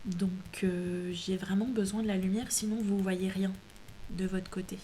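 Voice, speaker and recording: A woman's voice: medium pitch, flat delivery, normal speed, warm tone, a little hiss or hum. A woman hosting a casual craft tutorial at home, chatty, with many hesitations and restarts. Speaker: craft video host.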